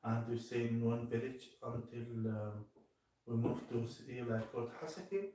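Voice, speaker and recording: A man's voice: mid-range voice, fairly even intonation, moderate pace, dark tone. Guy from syria, guest on a podcast, lots of uh and like, sounds far off in an echoey room. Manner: hesitant, lots of fillers. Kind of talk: casual interview.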